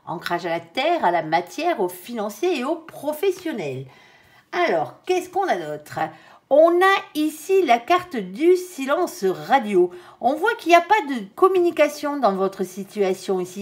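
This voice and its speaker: A woman's voice: sits high, big pitch swings, unhurried, darkish tone. A tired woman giving a casual tarot reading, chatty with many fillers and some stumbling. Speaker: tarot reader.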